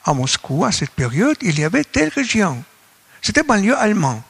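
A man from Russia with a Russian accent gives a conference lecture in non-native French, halting as he searches for words. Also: high voice, sing-song, creaky, fairly bright tone, breathy edge. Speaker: academic speaker at a colloquium.

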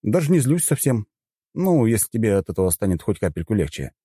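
A man's voice: fairly low pitch, very animated, a little fast, mellow, breathy edge, no room sound, studio quality, pitched above the performer's own voice. A man voicing a cocky young nobleman in an audiobook, speaking in a casual, teasing, amused way.

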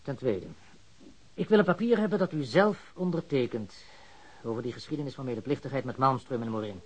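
Shrewd informant, medium pitch, self-assured, sly haggling, small-time criminal, radio play. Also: male voice, lively intonation, brisk, breathy edge, low-quality recording. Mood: bargaining, self-assured. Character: cocky, shrewd male small-time crook turned informant. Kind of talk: radio drama acting.

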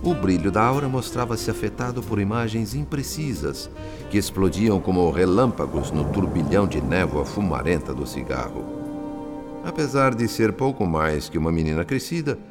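An actor with a Brazilian accent playing a solemn, compassionate spirit narrator in a radio drama, measured and expressive. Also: male voice, low voice. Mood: solemn wonder. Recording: music behind narration.

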